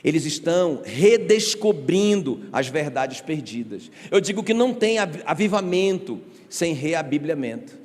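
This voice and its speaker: Lively higher-voiced male pastor, echoing hall. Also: unhurried, hardly any pauses. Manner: animated and conversational, with rhetorical questions and joking asides. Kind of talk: sermon. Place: church sanctuary. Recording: reverberant church hall.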